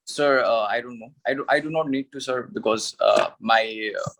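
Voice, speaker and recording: A man's voice: mid-range voice, normal speed, creaky, fairly bright tone, low-quality recording. A young man with a South Asian accent, a native Nepali speaker, answering as an interview candidate in a hesitant, deferential way. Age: young adult.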